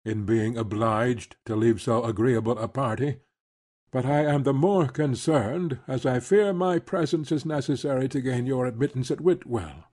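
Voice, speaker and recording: A man playing a courteous, reserved gentleman colonel in a dramatised classic novel, formal and restrained, with a husky voice. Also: medium pitch, moderate pace, lightly acted. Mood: regretful, firm.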